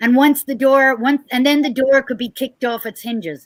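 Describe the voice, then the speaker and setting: An Irish accent from a woman at a moderate pace, dry and close with no echo. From Ireland. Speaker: writer. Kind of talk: panel discussion. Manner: halting.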